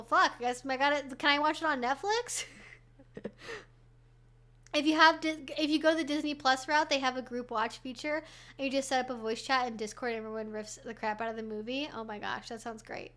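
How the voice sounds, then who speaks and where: Woman in her twenties or thirties, higher voice, casual rambling streamer answering chat questions. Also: steady tone, fairly quick, a bit bright. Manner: rambling, chatty, many fillers and restarts. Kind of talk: casual livestream Q&A.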